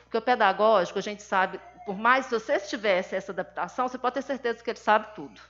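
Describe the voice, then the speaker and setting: A woman's voice: mid-range voice, quick pace, a bit bright. A Brazilian woman, a mother, giving an emphatic, indignant personal testimony at a seminar, acting out the dialogue of her story. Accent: Brazilian Portuguese. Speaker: seminar speaker, mother of an autistic son. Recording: dull lo-fi sound.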